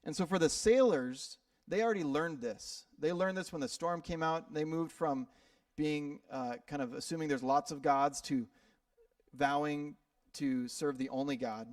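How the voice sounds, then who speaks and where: A man from Minnesota preaches to his church in a relaxed, conversational style, often stumbling over and repeating words. His voice sits a little high for a man. The sound is dry and a bit distant, as if the mic is some way off. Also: unhurried, dry recording. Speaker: pastor. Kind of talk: sermon. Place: church sanctuary.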